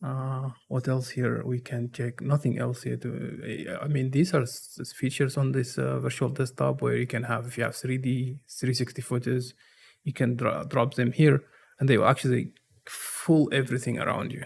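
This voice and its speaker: Moderate pace, monotone and flat intonation, vocal fry, and a non-native accent. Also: man, medium pitch for a man. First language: not English. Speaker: gaming YouTuber. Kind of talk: gameplay tutorial. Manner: halting.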